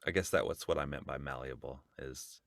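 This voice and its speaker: A man hosting a podcast, interviewing a guest with gentle, encouraging questions and short affirmations. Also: very deep voice, fairly quick, creaky, dry recording, studio quality. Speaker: podcast host.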